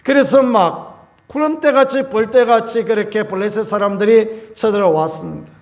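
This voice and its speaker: A pastor delivers a Sunday sermon in a homely, colloquial style, telling stories and acting out scenes with sudden loud bursts. His voice sits high and moves at a moderate pace.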